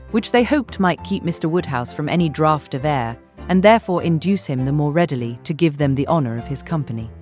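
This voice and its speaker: A woman reading a literary audiobook as narrator, measured and articulate. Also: low-pitched, darkish tone.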